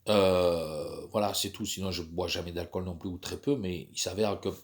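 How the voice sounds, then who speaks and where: Casting: man, 50s, lowish voice, stuffy from a cold, rambling monologue with many hesitations. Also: fairly even intonation, moderate pace. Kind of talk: personal monologue.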